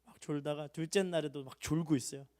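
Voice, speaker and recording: A high-pitched young man preaches a heartfelt sermon in a church hall. He climbs into loud, urgent appeals, then falls to soft, low near-murmurs. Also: steady tone, a little fast. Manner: emotional preaching, swings from loud rising appeals to hushed low tones. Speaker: pastor.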